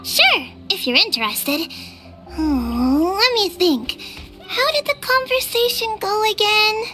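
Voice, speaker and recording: A woman voicing a cheerful young tribal girl who tells old legends in a lively, chatty way. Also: very high-pitched, slow pace, long reverb tail, soft background music, full character voice. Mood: playful. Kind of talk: game voice acting.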